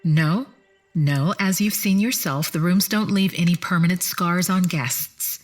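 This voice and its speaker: A low-voiced, composed immortal attendant. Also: female voice, a little slow, faint music behind. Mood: patient, courteous. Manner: precise, formal, courteous. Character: immortal female attendant, composed, polite, patiently guarded. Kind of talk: audio drama acting.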